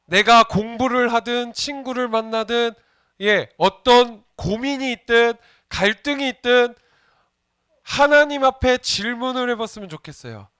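A man's voice: very high voice, measured pace, pushed and bright, clear, resonant tone, no echo, clean studio sound. A man, a junior pastor, giving a playful children's sermon and asking the kids questions as he goes. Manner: playful, asks the children questions and jokes with them.

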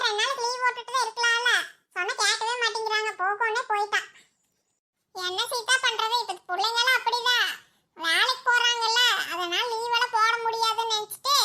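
A woman doing a shrill caring village aunt. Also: bright, forceful tone. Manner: caring, scolding, homely. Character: older village women of a big family, caring and scolding. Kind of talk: cartoon voice acting.

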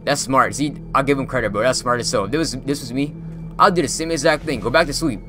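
A young man giving casual, profane commentary as he plays a horror game, often breaking into loud yelps and swearing at what happens on screen. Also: mid-range voice, fast talker, music in the background. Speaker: gaming YouTuber.

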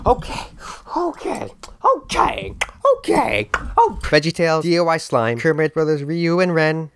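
A man's voice: on the high side, expressive, measured pace, gravelly, smooth. A man in his twenties giving rambling, theatrical comedic commentary as a YouTube host, often interrupting himself, speaking into a close handheld microphone. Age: 20s. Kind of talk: comedic fandom commentary to camera. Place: small bare-walled room indoors. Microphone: handheld microphone close to the mouth. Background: background music.

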